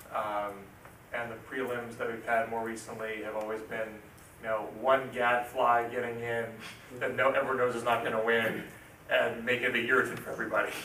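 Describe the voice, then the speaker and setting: The speech moves at a fairly quick pace, with audible room echo and light background noise. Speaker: committee member. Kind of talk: public meeting. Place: meeting room. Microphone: camera far.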